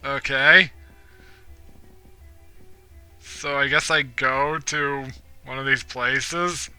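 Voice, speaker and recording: A man's voice: medium pitch, steady tone, very slow, pushed and bright, smooth, soft background music. A man hosting a casual let's play, reading game text aloud and hesitating with frequent ums. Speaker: gaming channel host.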